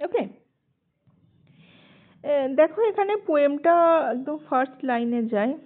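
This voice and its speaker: A woman's voice: high-pitched, expressive. A woman teaching an English poem online with a Bengali accent, explaining patiently and often checking in with her students. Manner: explanatory, checks in with "ঠিক আছে" and "okay", reads English slowly. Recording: tinny phone-like sound.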